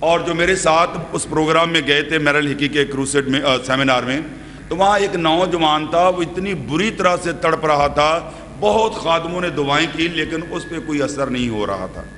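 Speaking at normal speed in a fairly high, fairly bright voice, a middle-aged pastor delivers a sermon from a podium. He asks the congregation questions and gestures broadly; podium microphones pick him up in an echoey, brick-walled church hall with a faint hum.

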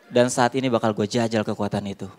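A man's voice: fairly low pitch, steady tone, fast, pitched below the performer's own voice, close to an everyday voice. A man playing a cocky, deluded boy who believes he has powers, in a stand-up routine. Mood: cocky defiant.

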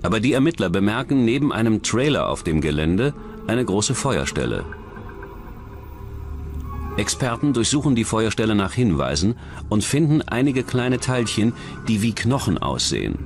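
Male narrator for scripted crime documentary, animated delivery, low register. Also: normal speed. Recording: music bed under the voice.

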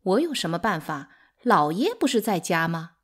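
A woman's voice: lowish voice, sing-song, normal speed, breathy edge. A woman voicing a sensible, weary wife who keeps the peace in an audiobook, plain and firm. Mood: resigned. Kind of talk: audiobook character acting.

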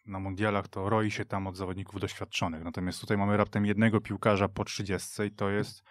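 A man's voice: on the low side, little pitch movement, fairly quick, no room sound. A man talking football as a radio studio guest, speaking fluently and reeling off names and details. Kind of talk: casual sports discussion.

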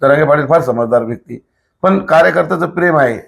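High-pitched, creaky-voiced blunt man. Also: quick pace. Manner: blunt, emphatic, rhetorical questions. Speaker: political activist, interview guest. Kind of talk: casual spoken interview.

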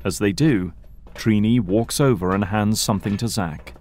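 A man's voice: lowish voice, moderate pace, a little mellow. A man giving dramatic scripted narration for an audio drama.

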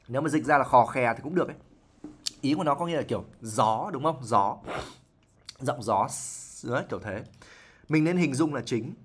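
A man's voice: mid-range voice, breathy edge. A man, an IELTS teacher explaining English words from a novel, often checking in with "right?" and repeating himself. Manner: explanatory, frequent "right?" tag questions and repetitions.

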